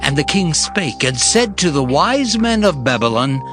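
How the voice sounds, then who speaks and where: A man narrating scripture dramatically, with measured, solemn storytelling delivery. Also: on the high side, very animated. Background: loud music.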